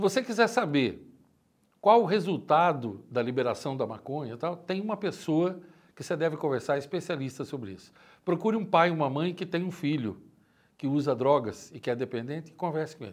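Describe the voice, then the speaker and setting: Against a quiet background, the speaker goes at a fairly quick pace with big swings in loudness and very wide pitch swings. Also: man, fairly high pitch for a man. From Brazil. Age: 50s. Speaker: talk show host. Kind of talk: casual interview. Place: studio.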